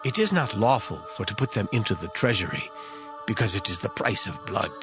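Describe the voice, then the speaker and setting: A man's voice: lowish voice, lively intonation, a little fast, over music. A man playing a cold, dismissive chief priest in a dramatized scripture reading.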